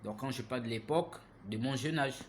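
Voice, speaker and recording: A man, giving an impassioned, preachy monologue that keeps turning to the listener with "hein?" and grows loud and heated. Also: mid-range voice, fairly quick, a little hiss or hum. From Gabon. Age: 30s. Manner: preachy, repeats himself, asks listeners "hein?". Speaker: vlogger.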